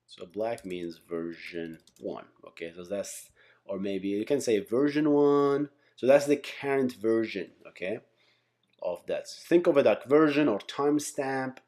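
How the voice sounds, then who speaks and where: A man with a fairly low, dark and relaxed voice teaches in an informal style. He talks things through as he goes, rambling a little and doubling back to repeat or fix his words. It sounds like a casual explainer for an online class. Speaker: tech teacher and channel host. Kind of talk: casual whiteboard-style lesson, explaining by example.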